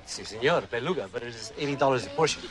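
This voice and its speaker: An actor playing a polite, formal club waiter in a film clip. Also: male voice, mid-range voice, expressive, very fast, lightly acted. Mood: obliging. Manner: deferential, formal. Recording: noisy old film clip.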